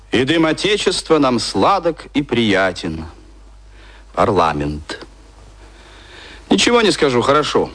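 An actor playing a cynical, convivial adman in a radio play, talking like a sardonic mentor over drinks. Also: mid-range voice. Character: cynical, convivial male adman, former propaganda official, drinking. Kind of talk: naturalistic radio play dialogue.

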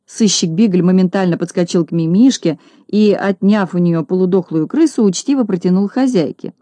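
A woman narrating a children's storybook in a calm, measured reading. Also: fairly low pitch, no echo. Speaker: audiobook narrator.

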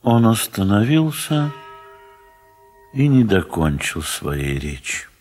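A man narrating a literary audio drama in measured, dramatic phrases with long pauses. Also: on the low side, very animated, darkish tone, soft background music.

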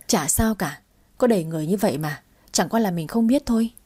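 A woman's voice: mid-range voice, expressive, fairly quick, dark tone, breathy edge. A woman voicing an outspoken, easygoing elderly neighbor who chides bluntly. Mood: chiding. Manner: blunt, chiding.

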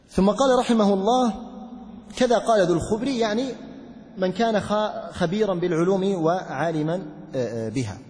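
A male religious teacher giving a classroom lesson, explaining step by step, quizzing his students and chanting verses slowly. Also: high-pitched, a little mellow, in a large hall. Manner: recites verses in a slow chant.

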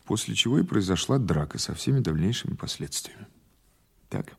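Police investigator, audio drama: rough husky male voice, lowish, conversational and probing, patient but insistent. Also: sing-song, full character voice. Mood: methodical, pressing. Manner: halting, conversational, insistent questioning. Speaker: actor in an audio play. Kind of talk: naturalistic audio drama dialogue.

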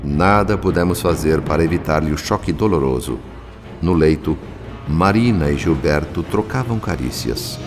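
A man's voice: very deep voice, lively intonation, moderate pace. A Brazilian man giving solemn, theatrical narration for a radio soap opera. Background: music bed.

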